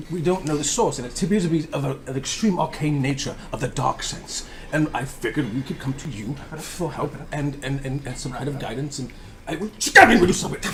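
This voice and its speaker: A man's voice: medium pitch, a little hiss or hum. A man playing a tabletop game, speaking in character in a flustered, overly formal, rambling way. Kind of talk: in-character improvised speech.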